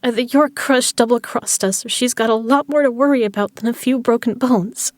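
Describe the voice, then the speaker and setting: A woman's voice: fairly high pitch, fairly quick, no echo, clean studio sound, natural voice. A woman acting a stubborn, injured gambler in an audio drama, strained but defiant. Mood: suspicious.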